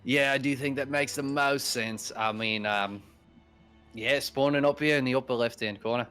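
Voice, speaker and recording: A man's voice: mid-range voice, fairly even intonation, normal speed, fairly bright tone, smooth. A male co-caster commentating a game in a put-on Australian accent, with teasing, laid-back banter. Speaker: esports co-caster. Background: faint music.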